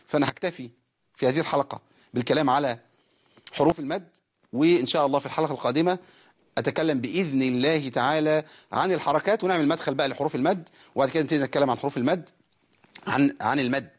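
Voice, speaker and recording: A man with an Egyptian Arabic accent hosting a broadcast lesson on Quran recitation, explaining rules and slowly chanting verses of a teaching poem. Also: a little high, husky.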